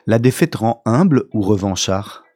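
A male interviewer with a soft-edged, mellow voice asks questions informally. His phrasing is casual, often doubling words as he goes, and music plays behind him. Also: on the low side, animated, normal speed, no echo.

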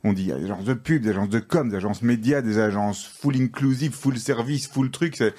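A man's voice: mid-range voice, a little fast, dark tone. A man hosting an interview, asking casual questions that he often restarts and repeats. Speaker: interview host. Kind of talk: conversational interview.

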